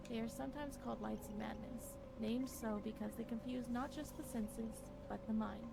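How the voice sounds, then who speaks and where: A haunted young-sounding wife, voiced by an actress narrates a horror game in a high voice with a creaky edge. She is brooding and fearful, speaking in halting theatrical phrases as her sanity slips. There is noticeable noise behind the voice. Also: steady tone, mellow. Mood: ominous. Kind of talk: dramatic first-person horror game narration.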